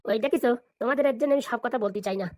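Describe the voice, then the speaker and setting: A man voicing a bossy, impatient middle-aged husband in a cartoon, gossipy and hurried. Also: very high-pitched, no echo, pitched below the performer's own voice.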